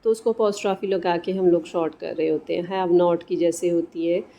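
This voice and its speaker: A Pakistani woman gives a recorded English lesson. Her voice is mellow and warm. She reads each English line slowly and carefully, then explains it. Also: lowish voice, steady tone, gravelly, a little hiss or hum. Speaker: English teacher. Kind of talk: classroom lesson explaining in Urdu with English reading.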